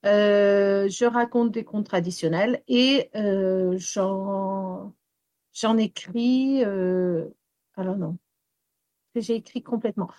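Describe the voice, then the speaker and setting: A woman storyteller raised in Wales whose first language is English, answering interview questions haltingly with many fillers and restarts. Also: mid-range voice, dark tone, no room sound. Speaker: storyteller guest.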